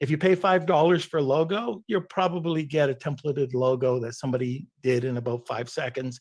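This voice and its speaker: Talking at a fairly quick pace with hardly any pauses, a man uses a normal speaking voice, fairly high in pitch, with ordinary pitch variation. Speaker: e-commerce speaker. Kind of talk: webinar presentation.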